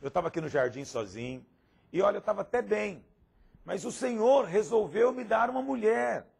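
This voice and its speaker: A man's voice: high-pitched, lively intonation, fairly quick, creaky, a little mellow, breathy edge, exaggerated voice. A man voicing a complaining man who blames God for his own wrongdoing. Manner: complaining, self-justifying.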